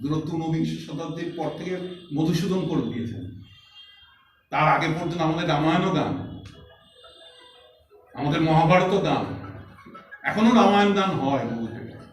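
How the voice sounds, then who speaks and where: A man with a high voice speaks at a literary meeting, emphatic and teacherly, reciting lines of poetry as he makes his points. He is picked up from far off in a very echoey hall. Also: normal speed, pauses often, slight background noise. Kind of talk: lecture speech.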